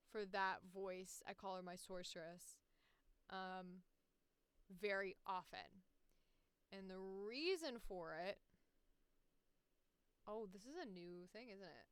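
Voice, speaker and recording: Smooth-voiced woman streamer, slangy and unhurried. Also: mid-range voice, a bit bright, no echo. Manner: slangy, profane, passionate. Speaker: voice actor and livestream host. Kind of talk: casual livestream chat while working.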